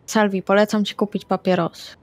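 A woman's voice: medium pitch, level tone, brisk, no room sound. A woman playing in a tabletop role-playing game, speaking in casual in-character banter.

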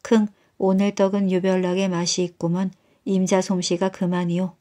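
A woman voicing a sly loafer who imitates a nasal old man, snorting and speaking in hushed, smug tones. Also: on the low side, flat delivery, moderate pace, lightly acted. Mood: sly whisper.

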